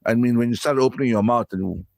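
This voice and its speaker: A man's voice: medium pitch, fast talker, vocal fry, darkish tone, dry recording, studio quality. A man co-hosting a talk show, jovial and enthusiastic as he chats with the guest. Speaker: co-host. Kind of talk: talk-radio banter.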